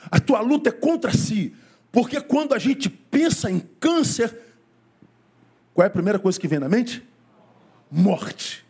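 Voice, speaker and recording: This is a middle-aged man, a pastor, giving a sermon in church. He asks the congregation questions, and his voice shifts dramatically in pitch and tempo.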